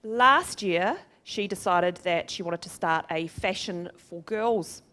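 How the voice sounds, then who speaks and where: A woman's voice: fairly low pitch, slow pace, pushed and bright. A woman with a New Zealand accent giving a live seminar talk to an audience, chatty and upbeat and laughing at her own jokes. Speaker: presenter at a business seminar.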